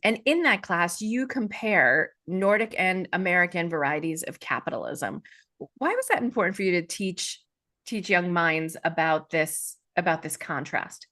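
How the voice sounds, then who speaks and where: A woman's voice: fairly low pitch, expressive, moderate pace, sharp tone. A woman hosting an interview podcast, reading a guest's bio and asking questions with enthusiasm. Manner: enthusiastic, upbeat. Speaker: podcast host.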